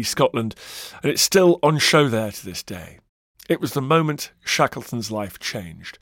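A man's voice: medium pitch, a bit bright, dry recording, studio quality. A man narrating a scripted history documentary with dramatic, varied emphasis.

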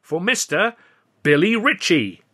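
A man's voice: medium pitch, expressive, a little fast, a bit bright, pitched above the performer's own voice. A man voicing a showy male film studio boss making a grand announcement in an audiobook. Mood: showman. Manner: announcing, salesman-like build-up. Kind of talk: audiobook character voice.

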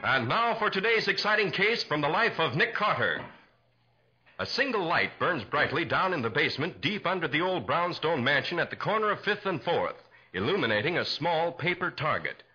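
A man's voice: a little high, sing-song, normal speed, bright, forceful tone. An American man announcing and narrating a 1940s radio show with emphatic, dramatic salesmanship. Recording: muffled 1940s radio recording.

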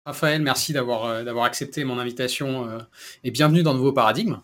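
Man, French accent, podcast host, medium pitch, introductions and interview questions. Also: fast talker, a bit bright.

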